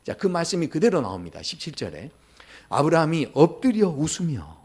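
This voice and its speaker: A man's voice: on the high side, brisk, slightly rough. A man pastor preaching a sermon in a church, talking straight to the congregation and acting out the voices in the stories he tells. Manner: lively, acts out voices in quoted dialogue; talks directly to the congregation with questions. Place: church sanctuary.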